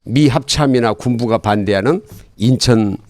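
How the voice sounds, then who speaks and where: An older man speaking as an interview guest, explaining things earnestly and at length in a halting way. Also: medium pitch, darkish tone, dry recording, clean studio sound. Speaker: guest, retired army colonel and military history author.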